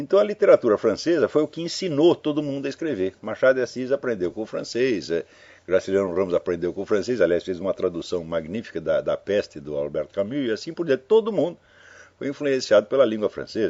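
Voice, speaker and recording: A man at a very fast pace, with a medium pitch and very wide pitch swings. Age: 60s. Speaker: lecturer. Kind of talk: lecture. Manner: conversational.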